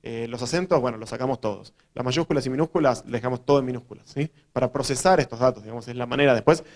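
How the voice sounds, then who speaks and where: An Argentine man speaks quickly in a mid-range voice, a programmer giving a conference talk. His delivery is loose and conversational, full of fillers, self-corrections and restarts as he explains things to an audience of journalists. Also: medium pitch. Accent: Argentine Spanish. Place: university event hall.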